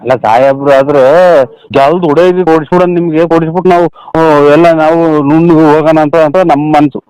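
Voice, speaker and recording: Brief: hesitant, grumbling comic man, smooth high voice, dry sound. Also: steady tone, fast talker, darkish tone, no room sound, low-quality recording. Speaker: comedy performer. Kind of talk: rural comedy dialogue.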